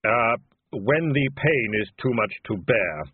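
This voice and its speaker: A man doing Death, slow and solemn. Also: medium pitch, expressive, breathy edge, no echo, narrow, tinny audio. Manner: measured, solemn. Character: calm, deep-voiced personification of Death.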